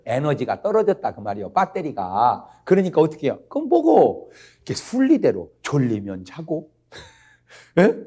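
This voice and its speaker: A male pastor preaching a jokey revival sermon in a husky, slightly high voice. His pitch leaps all over as he drops to low asides and then bursts out loud. He keeps pressing the congregation with quick questions. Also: huge pitch swings. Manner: swings between low asides and loud exclaims.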